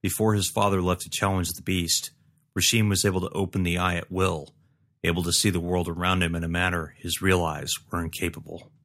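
A man giving a steady scripted narration of a fantasy story. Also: deep voice, a little fast. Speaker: audiobook narrator.

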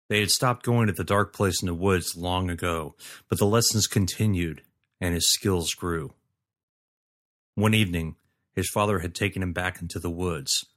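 A man giving a steady scripted narration of a fantasy story. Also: deep voice. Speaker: audiobook narrator.

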